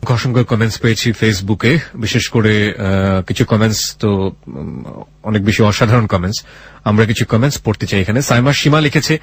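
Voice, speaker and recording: A man's voice: on the low side, normal speed, breathy edge, no room sound. A man with a Bangladeshi accent hosting a radio show, speaking earnestly and emphatically with dramatic phrasing. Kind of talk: radio storytelling and interviewing. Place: radio studio.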